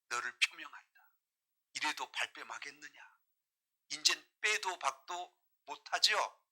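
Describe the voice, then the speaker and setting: Reading scripture and hurling emphatic rhetorical questions at his congregation, this middle-aged Jeolla pastor preaches in a fairly high, bright and forceful voice. The recording is of low quality.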